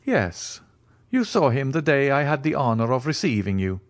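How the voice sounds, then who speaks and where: Man voicing a lofty, higher-pitched mysterious count. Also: sing-song, normal speed. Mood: composed. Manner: formal, precise, loftily composed. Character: mysterious, self-assured, aristocratic male count. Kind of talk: audiobook character dialogue.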